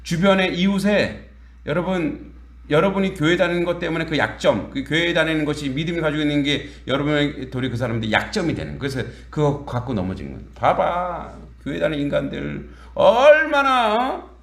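A man preaching a sermon as pastor, in a conversational, animated way with quoted dialogue and laughter. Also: fairly high pitch, fairly quick. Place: church sanctuary. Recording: echoey church hall.

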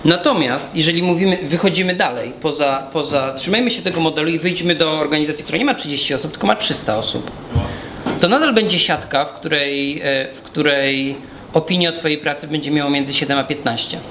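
A man in his thirties talks a small group through his drawing on a whiteboard, breaking off and restarting as he works. His voice sits a little high for a man. It echoes around the room and comes over steady background noise, picked up from a camera some distance away. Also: fairly quick. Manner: explains step by step while drawing, many restarts. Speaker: guest speaker. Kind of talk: talk at a whiteboard. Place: small room with brick walls. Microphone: far camera. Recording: echoey room from far off, noisy.

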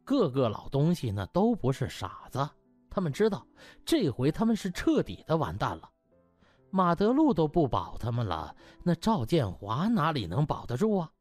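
Guy reading a comic audiobook, super expressive n colloquial, bit husky, faint music behind. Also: fairly high pitch, normal speed. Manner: theatrical, colloquial, storytelling. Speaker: audiobook narrator. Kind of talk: animated comic web-novel narration.

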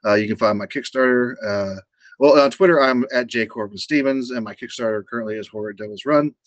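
A quiet, soft-spoken man hosting a live-stream chat, talking hesitantly with many fillers. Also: mid-range voice, brisk, dry recording, lo-fi sound. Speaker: host.

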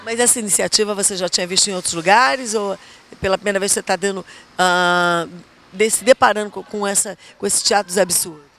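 A woman's voice: medium pitch, steady tone, a little fast, fairly bright tone. A woman with a Carioca accent reporting and interviewing passersby on the street, upbeat with prompting questions. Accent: Carioca Portuguese. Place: busy street outdoors.

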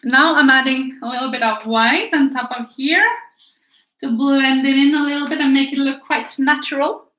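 She has a high, bright and forceful voice with fairly even intonation and a moderate pace. A Swedish art teacher in her thirties, she talks chattily and encouragingly to viewers as she paints live at an easel in a small, echoey room, the camera a few feet off and her face sometimes turned away.

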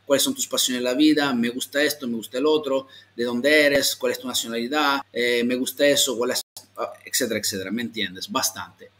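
A man from Italy with an Italian accent, a language teacher giving an online lesson and sounding out slow model phrases to repeat. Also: medium pitch, fairly bright tone, a little hiss or hum.

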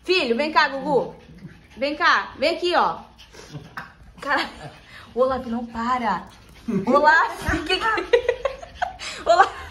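A woman's voice: high voice, animated, slow pace, pauses often, sharp tone. A young Brazilian woman with a Rio de Janeiro accent, vlogging at home on a phone and talking baby-talk to her dogs while laughing often. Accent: Rio de Janeiro Brazilian Portuguese. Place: home, indoors.

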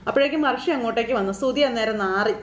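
A woman with a fairly high voice retells a TV serial episode in a chatty, animated way. She keeps tossing friendly asides to the listener. Her voice rings in a noticeably echoey room. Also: rapid-fire. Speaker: serial recap storyteller.

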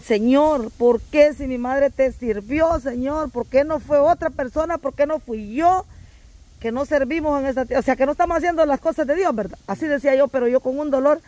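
A man's voice: very high-pitched, fairly quick, darkish tone. A man playing a grieving, devout woman talking with her cousin, pleading and agreeing often. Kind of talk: comedic sketch conversation.

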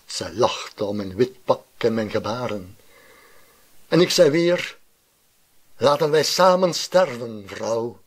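A man with a husky voice giving a theatrical recitation of a poem, moving between loud outbursts and hushed phrases. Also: medium pitch, expressive, takes it slowly, long pauses. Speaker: poetry reciter. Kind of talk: dramatic poetry recitation.

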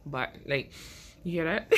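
A woman's voice: low voice, fairly bright tone. A woman in her thirties vlogging casually to camera in a small bedroom, rambling and chatty, with a stuffy head cold. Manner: chatty, rambling, laughs often. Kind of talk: casual vlog chat to camera.

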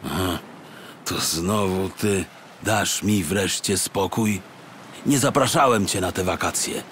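A man's voice: low voice, slow, fairly bright tone, slight background noise. A man voicing a weary, irritable male detective on holiday in a storybook, with a grumbling manner. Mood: exasperated. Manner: grumbling, exasperated.

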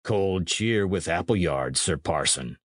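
A man's voice: deep voice, expressive, takes it slowly, no echo, clean studio sound, exaggerated voice. A man voicing a blunt, cheerfully grasping medieval soldier in an audiobook, with plain-spoken archaic speech. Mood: cheerful, wry.

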